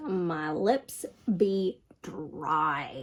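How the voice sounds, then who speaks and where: A woman puts on a character voice. Her pitch sits fairly low. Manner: playful.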